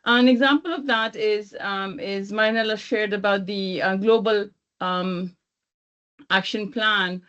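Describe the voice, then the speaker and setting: A woman from Thailand speaking off the cuff as a webinar panelist, haltingly, often rephrasing and circling back. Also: medium pitch, steady tone, a bit bright, clear, resonant tone. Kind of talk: extemporaneous panel remarks. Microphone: video call. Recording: dull lo-fi video call.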